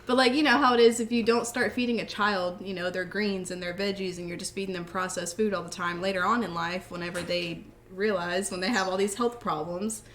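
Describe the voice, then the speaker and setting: A woman's voice: medium pitch, steady tone, brisk, hardly any pauses, a bit bright, a little hiss or hum. A congested woman with a cold, co-hosting and chatting casually about raising reptiles, saying "like" and "you know" often. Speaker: reptile breeder, co-host. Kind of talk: casual explanatory chat.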